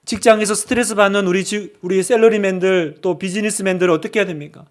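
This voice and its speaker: A man's voice: high voice, steady tone, fast talker. A male pastor preaching in a conversational way and acting out short sample prayers. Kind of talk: sermon.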